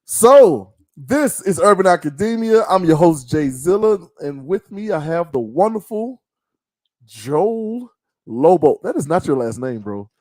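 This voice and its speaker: A man's voice: high-pitched, sing-song, a little mellow, dry recording. Joking man hosting a call-in chat. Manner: playful, joking, quick to laugh. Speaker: podcast host. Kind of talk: casual interview chat.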